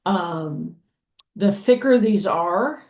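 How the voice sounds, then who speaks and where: A woman with a deep voice for a woman, teaching anatomy in a patient lecture style, checking in with "okay?" and filling pauses with "um". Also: expressive, darkish tone. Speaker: anatomy instructor. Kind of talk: slow explanatory lecture over diagrams.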